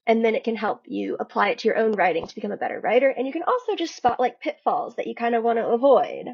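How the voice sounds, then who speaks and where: A woman's voice: a little high, expressive, fast, vocal fry, breathy edge. A woman chatting casually as a writer guest on an interview podcast, on slightly dull, lo-fi audio.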